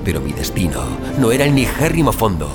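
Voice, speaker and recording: A man performs a dazed, desperate survivor telling his own story in an audio drama. The voice is on the low side and swings widely in pitch, with theatrical gasps and exclamations. Music plays clearly behind the anguished narration. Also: very animated, fast. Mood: somber, haunted. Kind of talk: dramatic first-person audio fiction narration.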